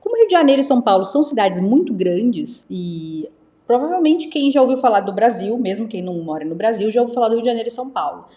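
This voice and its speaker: A young woman from teaching English live, lively and repeating words slowly for her students. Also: on the high side, reverberant. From Brazil. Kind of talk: live online English lesson.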